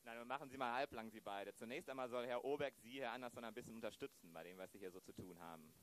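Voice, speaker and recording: A man playing a brisk, authoritative, mildly chiding police chief in a radio play. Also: medium pitch, fairly bright tone, close to an everyday voice. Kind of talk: improvised German radio play.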